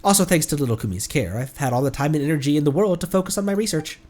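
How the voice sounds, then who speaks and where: A man's voice: on the high side, lively intonation, rapid-fire, darkish tone. A man voicing a polite, enthusiastic researcher from a fantasy game, chatty and courteous as he reads the dialogue aloud. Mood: friendly, earnest.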